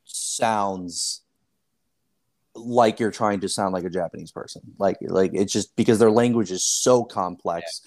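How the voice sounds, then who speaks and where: Man, podcast guest, lowish voice, casual chat, hedging, trails off. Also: measured pace, a little mellow. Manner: hedging, trails off with small laughs. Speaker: podcast guest, anime creator.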